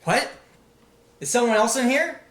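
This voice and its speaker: A man's voice: high voice, animated, measured pace, fairly bright tone, reverberant, pitched above the performer's own voice. Storybook hero, young man, anxious and pleading, read by a man. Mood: panicky. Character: young man, bewildered and panicky prisoner.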